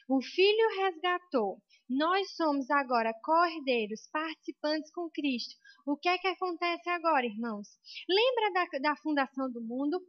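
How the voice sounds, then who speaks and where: A woman's voice: sits high, no room sound, lo-fi sound. A young Brazilian woman preaching a sermon in a church with a Brazilian Portuguese accent, impassioned and building to emphatic peaks.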